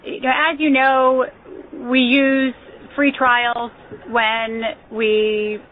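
A woman company executive answering questions on an earnings call in measured corporate language. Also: fairly high pitch, level tone, a little hiss or hum. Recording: muffled, band-limited conference call audio.

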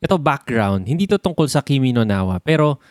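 Animated Filipino man chatting about films. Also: medium pitch, brisk, dry recording, clean studio sound. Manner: animated, explains with examples and sound words. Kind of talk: casual chat about films.

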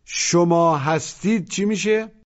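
A man teaching a language lesson, patiently prompting listeners to repeat after him. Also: sits high. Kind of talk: instructional narration. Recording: muffled lo-fi audio.

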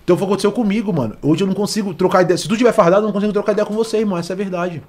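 A man's voice: high-pitched, racing, darkish tone. A young man with a São Paulo Brazilian Portuguese accent tells personal stories in a casual interview, using heavy street slang. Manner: slangy, street-style talk full of colloquial tags. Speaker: podcast guest, former police officer.

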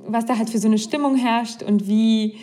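A woman's voice: a little high, steady tone, moderate pace, mellow. A young woman hosting a podcast, talking candidly in a casual conversation and thinking aloud with restarts. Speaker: podcast host.

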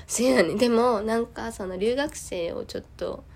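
A woman's voice: on the high side, normal speed, gravelly, slight background noise. A woman with a Kansai accent, chatting casually on a podcast and telling a story with lots of energy, acting out the lines of the people in it. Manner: animated storytelling, acts out quoted lines. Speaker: podcast co-host. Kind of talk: casual chat. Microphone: remote recording.

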